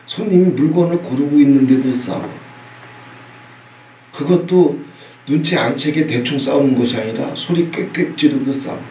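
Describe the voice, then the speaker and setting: A middle-aged male pastor giving a sermon, emphatic and conversational, often prompting the congregation with short questions and sudden loud outbursts. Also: mid-range voice. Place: church sanctuary. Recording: echoey hall, from a distance, faint noise.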